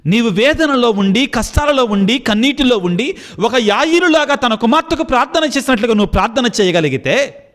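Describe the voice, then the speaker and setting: A Catholic priest delivers his sermon with fervour. His male voice sits high and swoops widely as he pleads with the listeners. When he turns to leading the prayer, his voice grows softer and lower. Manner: impassioned preaching, rising high on appeals.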